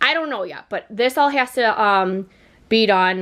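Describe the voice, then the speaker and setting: A woman speaks at a fairly slow pace. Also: quiet background. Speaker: stay-at-home mom vlogger. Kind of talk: casual vlog narration. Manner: hesitant, many fillers.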